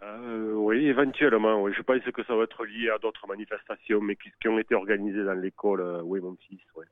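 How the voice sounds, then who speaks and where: A man with a fairly low voice, heard through a thin, dry phone-like connection. He chats casually and colloquially, hesitating and tacking small tags onto his phrases. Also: fairly even intonation, a little fast, no echo. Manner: hesitant, colloquial, tag words at phrase ends. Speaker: interviewee, member of the public. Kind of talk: casual spontaneous chat. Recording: tinny phone-like radio line.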